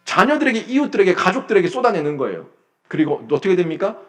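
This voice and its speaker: A man from South Korea preaching a church sermon, emphatic, rising to loud bursts and then dropping low. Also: sing-song, fast. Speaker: pastor. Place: church sanctuary.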